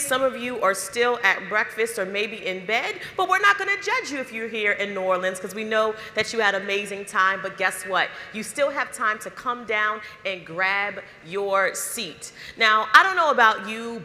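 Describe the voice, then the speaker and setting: A woman's voice: on the high side, lively intonation, normal speed, few pauses, sharp tone. A woman hosting a live conference as emcee, upbeat and hyping the crowd with questions. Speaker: event emcee. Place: large conference hall. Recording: hall reverb.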